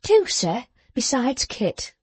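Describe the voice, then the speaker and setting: A woman's voice: fairly high pitch, big pitch swings, slow, slightly rough, dry recording, full character voice. Woman voicing a meek, humble mother. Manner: meek, deferential, soft. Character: timid, humble working mother, polite and shy.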